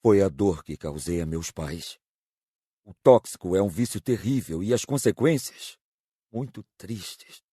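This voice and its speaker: Man playing a husky, deep remorseful ex-addict. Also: unhurried, dark tone, no room sound, studio quality. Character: young male former addict spirit, remorseful, once idle. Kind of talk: dramatized audiobook dialogue.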